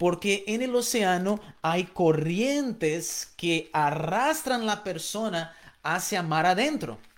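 Speaking very slowly, a man with a Brazilian accent uses a high pitch and lively intonation. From southern Brazil, Florianópolis. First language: Portuguese (speaking Spanish). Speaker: pastor. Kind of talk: sermon.

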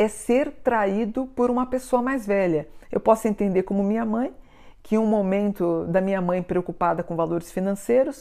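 In a very clean recording with a silent background, a woman uses an ordinary speaking voice at a moderate pace with ordinary pitch variation. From Brazil, São Paulo. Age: 50s. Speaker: spiritual teacher and YouTuber. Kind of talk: casual talk to camera about her astrology chart.

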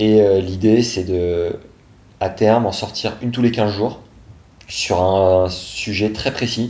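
Somewhat breathy and dark, mellow in tone, the man's voice keeps a fairly even intonation. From France, Nevers (Nièvre). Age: 20s. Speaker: dating coach. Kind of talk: interview.

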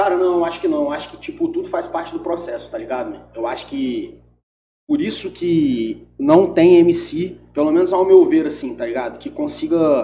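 Audible room echo hangs on a man's voice as he talks at a moderate pace. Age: 30s. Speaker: rapper and music producer. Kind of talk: casual chat.

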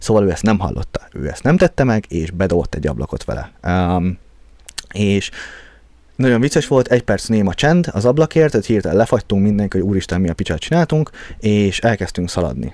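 Fairly low in pitch with a dark, mellow tone, a man speaks at a fairly quick pace, his pitch swinging very widely. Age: 20s. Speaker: podcast co-host. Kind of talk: casual chat.

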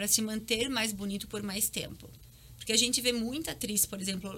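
Over noticeable background noise, a woman talks fairly quickly at a medium pitch with ordinary pitch variation. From Santa Catarina, Brazil (Timbó). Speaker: physician, aesthetic clinic director. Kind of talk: casual interview.

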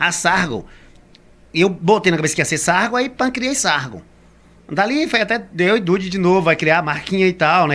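A man's bright, sharp, high voice with lively intonation at a fairly quick pace. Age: young. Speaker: entrepreneur. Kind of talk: casual interview. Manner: halting, repeats words.

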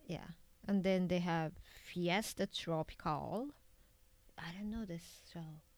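A woman with a Japanese accent speaks at a very slow pace in a fairly low pitch, with ordinary pitch variation, big swings in loudness, and long, frequent pauses. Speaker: podcast co-host. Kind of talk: casual chat.

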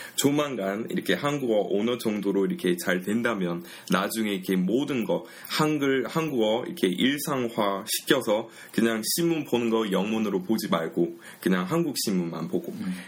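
With an English accent, a man talks at a moderate pace. His medium pitch makes very wide swings. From US. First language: English (speaking Korean). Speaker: podcast host. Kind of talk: casual chat.

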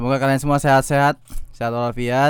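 A man's monotone, flat intonation is heard on a very clean recording, the background silent. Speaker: podcast co-host. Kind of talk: casual chat.

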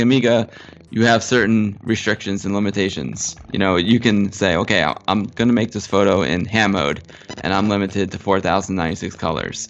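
With an American accent, a man talks at a moderate pace in a fairly low pitch with ordinary pitch variation, against noticeable background noise. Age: 40s. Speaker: retro computer YouTuber. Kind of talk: casual interview. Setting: remote call.

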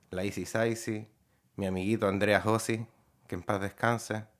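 Over a silent background, the recording is very clean. A man speaks in a flat monotone at a fairly low pitch. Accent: Chilean. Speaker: trap musician. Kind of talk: casual chat.

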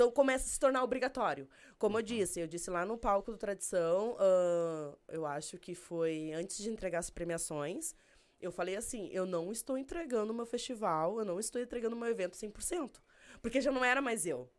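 A woman's medium-pitched voice with very wide pitch swings at a moderate pace, on a very clean recording with a silent background. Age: 30s. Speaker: festival organizer. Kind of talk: casual chat.

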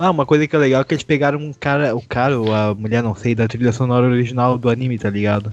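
A man with a plain, everyday voice talks at a medium pitch with fairly even intonation. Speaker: podcast co-host. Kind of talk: casual chat.

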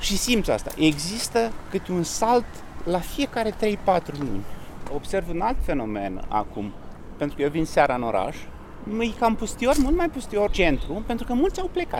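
Over noticeable background noise, a man talks at a moderate pace in a high pitch with very wide pitch swings. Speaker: writer and screenwriter. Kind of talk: interview conversation. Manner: halting.

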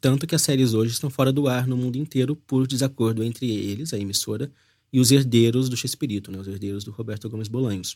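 A man with a dark, mellow tone speaks at a very fast pace. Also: medium pitch for a man, ordinary pitch variation. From Brazil, São Paulo state interior. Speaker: fan content creator. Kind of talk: casual interview. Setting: studio.

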